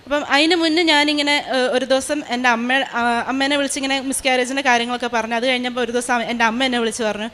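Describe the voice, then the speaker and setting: A woman's voice: high voice, flat delivery, fast, a bit bright. A young woman, telling a personal testimony in an earnest storytelling way full of fillers. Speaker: testimony giver.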